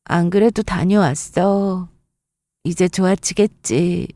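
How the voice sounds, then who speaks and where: A woman's voice: fairly low pitch, slow, warm tone, no echo. A woman voicing a caring young bride-to-be in a story, casual and attentive. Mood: reassuring.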